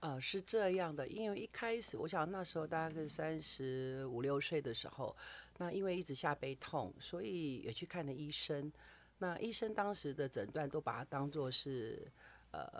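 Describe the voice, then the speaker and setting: On a very clean recording with a silent background, a woman with a very deep, low pitch speaks at a moderate pace with lively intonation. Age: 60s. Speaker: factory owner and club president. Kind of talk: interview testimony.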